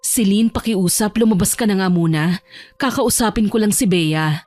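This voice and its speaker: A woman plays a cautious, protective older sister in an audio drama. She speaks in a measured way, soothing yet admonishing. The sound is dry, with music behind. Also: medium pitch, a little mellow, dry recording, natural voice. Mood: firm.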